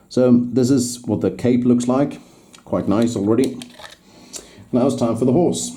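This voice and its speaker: The man talks at a moderate speed. The room gives his voice an audible echo. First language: Swedish. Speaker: miniature painting youtuber. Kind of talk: tutorial. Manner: halting, many fillers.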